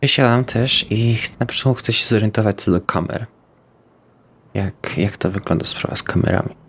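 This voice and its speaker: A man's voice: lowish voice, moderate pace, a bit bright. A man playing a tabletop game, asking hesitant questions with fillers. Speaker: player. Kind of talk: casual tabletop play.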